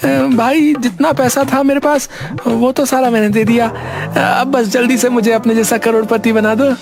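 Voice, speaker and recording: A man voicing a naive, eager, jobless young man in a cartoon, talking in an excited, pleading way. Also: moderate pace, music in the background. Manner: excited, pleading, high-strung. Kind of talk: cartoon voice acting.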